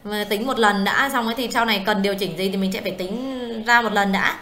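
A woman, tutoring a student one-on-one in accounting software, explaining step by step and often checking that she is understood. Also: mid-range voice, fairly quick, slight background noise.

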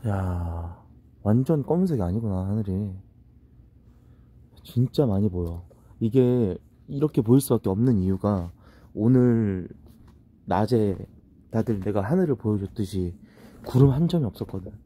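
A man's voice: fairly low pitch, lively intonation, normal speed, long pauses, dark tone. A man live-streaming outdoors at night, chatting bluntly and swearing as he shivers from the cold. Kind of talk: casual live-stream chat. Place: outdoors at night at a holiday cabin.

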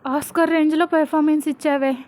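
A woman voicing a furious, possessive young man who shouts cutting, scornful words. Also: high voice, flat delivery, fast talker, lightly acted.

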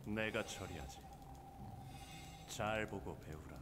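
An actor voicing a cool, self-assured mage hero in a fantasy game, haughty and composed. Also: male voice, fairly low pitch, takes it slowly, background noise. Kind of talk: scripted fantasy game unit responses.

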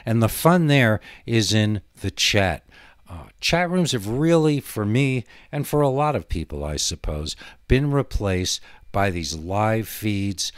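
A man's voice: lowish voice, very animated, slow, no echo, studio quality. A man hosting a solo podcast in a casual, rambling monologue, hesitant and full of digressions. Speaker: podcast host.

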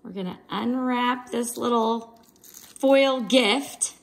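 A woman's voice: on the high side, slow pace, vocal fry, rough recording. A middle-aged woman co-hosting a casual vlog, talking to camera in an upbeat, bubbly way and laughing often. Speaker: co-host. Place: indoor home studio set.

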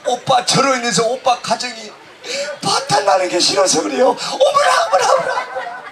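A man voicing a coy young woman fending off a man, in a shrill squealing falsetto, on an outdoor stage. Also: huge pitch swings, moderate pace, a loud crowd, heavily acted. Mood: shrieking. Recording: distant outdoor PA with noise.

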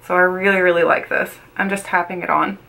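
Chatty woman vlogger, slightly low voice. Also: flat delivery, brisk, gravelly, sharp tone, rough recording. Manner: chatty, repeats words for emphasis. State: feels she is losing her voice. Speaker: beauty vlogger. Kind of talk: casual get-ready-with-me chat. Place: small bedroom makeup setup, indoors.

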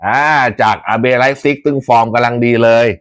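A man hosting a fan channel, talking casually to viewers about his football club's transfers in a chatty, animated way with rough slang and frequent laughs. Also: mid-range voice, fast.

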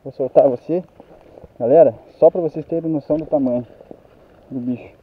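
Brazilian guy, young, high-ish voice, breathless, excitable fishing vlogger; dull camera-mic audio outdoors. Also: fairly quick, breathy edge. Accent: Brazilian Portuguese. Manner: excitable, exclaiming, talking to viewers. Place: outdoors on a riverbank. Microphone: handheld camera mic.

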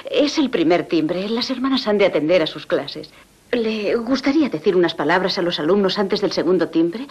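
A woman's voice: lowish voice, lively intonation, moderate pace, darkish tone, breathy edge. A woman dubbing a composed, firm young nun who runs a parish school in an old film. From Sweden. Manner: proper, composed, mildly reproving. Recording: muffled old film soundtrack.

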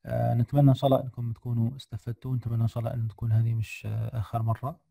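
A man leading a software lesson over a video call, his voice gravelly and dark, audibly tired. He speaks flatly and hesitantly, filling pauses and mixing in English terms. The sound is dry and close. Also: mid-range voice, no room sound. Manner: hesitant, many fillers, mixes English terms. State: tired, slightly unwell voice. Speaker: guest lecturer. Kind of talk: screen-share software lesson.

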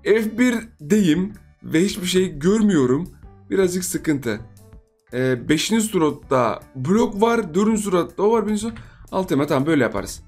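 A young man with a slightly high voice chats through his gameplay in a relaxed, rambling way. He keeps repeating himself and teasing the players he runs into. Faint game music plays underneath. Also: moderate pace. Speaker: gaming YouTuber. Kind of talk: live gameplay commentary.

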